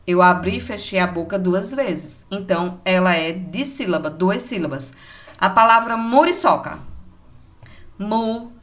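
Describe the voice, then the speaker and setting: A woman's voice: fairly low pitch, lively intonation, moderate pace. A woman teacher with a Brazilian Portuguese accent, patiently giving a remote lesson to children and explaining each step in an affectionate way.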